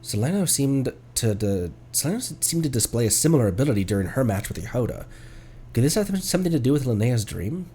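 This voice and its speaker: A man's voice: medium pitch, very animated, fast, warm tone, slight background noise. A man streaming a game, giving casual, playful commentary as he plays.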